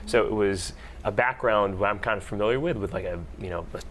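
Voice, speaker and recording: A man's voice: fairly low pitch, brisk, a little hiss or hum. A man from the United States, a PhD student on a panel, talking casually with many fillers and restarts. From Pittsburgh, United States. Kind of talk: panel discussion.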